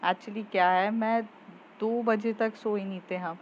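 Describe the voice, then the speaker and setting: A woman voicing a gentle young schoolgirl who talks softly and soothingly, in a storybook tale. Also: mid-range voice, fairly even intonation, unhurried, lo-fi sound, slight background noise, lightly acted. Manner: soft and soothing.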